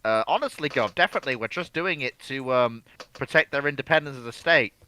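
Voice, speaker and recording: A man speaking as a panelist in a live discussion, measured and wry, with many qualifiers. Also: medium pitch, lively intonation, pushed and bright. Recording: clear background noise, clicks.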